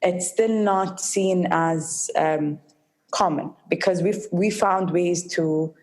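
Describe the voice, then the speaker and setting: A young woman from the United Arab Emirates answers interview questions in a slightly low voice. She speaks slowly and carefully, with a mild stutter and small pauses as she works through her words. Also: a little mellow. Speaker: guest, social entrepreneur. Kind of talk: interview conversation.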